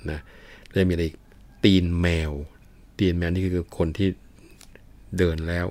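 Deep-voiced male storyteller. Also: little pitch movement, unhurried, a little mellow, no room sound. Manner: leisurely, chatty, addresses listeners. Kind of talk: storytelling with idiom explanations.

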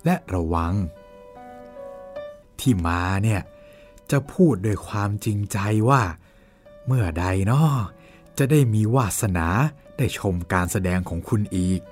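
A man's voice: fairly low pitch, expressive, slow, long pauses, faint music behind. A man playing an earnest, pleading suitor. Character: earnest down-on-his-luck man, courting suitor.

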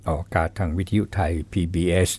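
A man hosting a radio program, speaking in a measured, polite way as he reads out statistics in a scripted commentary. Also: a little mellow. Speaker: radio host.

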